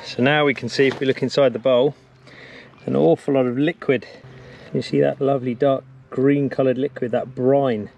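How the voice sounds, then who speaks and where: With a gravelly, darkish tone and flat delivery, a man in his thirties from England speaks at medium pitch and a moderate pace. He's a bushcraft instructor giving an upbeat, practical outdoor lesson, filmed on an action camera at a woodland camp and wooden cabin.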